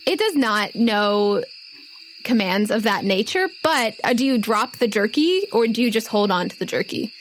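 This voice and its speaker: A woman game master improvising narration for a tabletop role-playing game in a conversational, halting, descriptive way. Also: fairly high pitch, lively intonation, rough recording. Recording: faint noise with night insects and owls.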